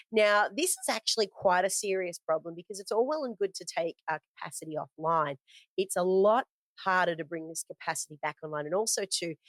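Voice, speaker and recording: Lowish-voiced woman talking markets. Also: dry recording, low-quality recording. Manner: conversational, with frequent fillers and self-corrections. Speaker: commodities podcast host. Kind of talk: casual spoken market commentary from notes.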